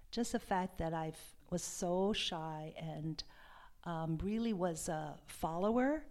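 Soft-spoken reflective woman guest. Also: fairly low pitch. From Hawaii. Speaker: interview guest, love and sexuality coach. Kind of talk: podcast interview.

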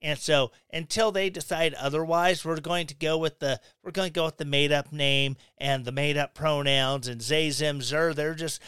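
A man's voice: fairly high pitch, fairly even intonation, moderate pace, few pauses, a bit bright, clear, resonant tone, dry recording, clean studio sound. A man from Missouri hosting a podcast, delivering a blunt opinionated rant with sarcastic asides. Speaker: podcast host. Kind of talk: opinionated monologue.

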